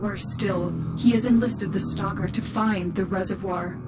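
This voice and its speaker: Lady as serious scifi game mission guide, measured n guarded, mid pitch, big loud music behind. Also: steady tone, natural voice. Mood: grave warning. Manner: measured, serious, urgent briefing. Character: grave, guarded female guide to young warriors. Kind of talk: science-fiction game voice acting.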